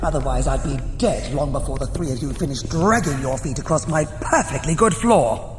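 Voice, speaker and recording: An actor playing a haughty, mocking immortal ruler of the underworld in an audio drama, imperious and sardonic. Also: male voice, fairly high pitch, expressive, moderate pace, music in the background, natural voice. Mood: haughty disdain. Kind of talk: scripted audio drama acting.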